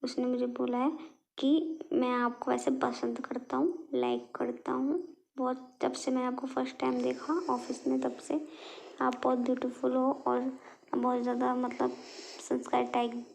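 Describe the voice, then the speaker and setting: A young woman in a casual relationship argument on a call, explaining herself haltingly and often rephrasing. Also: sits high, completely flat delivery, gravelly, a little mellow, rough recording. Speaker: girlfriend in a couple's call.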